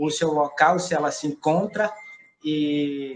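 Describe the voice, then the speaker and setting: A man with an Amazonian accent speaks at a fairly high pitch. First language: Tikuna (speaking Portuguese). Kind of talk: talk in a live video conversation. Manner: halting, frequent self-corrections.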